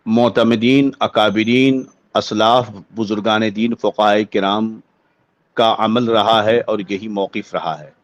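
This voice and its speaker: A man with an Indian accent, a Muslim cleric giving a religious ruling as a lecture in deliberate, formal scholarly phrasing. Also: fairly low pitch, dry recording.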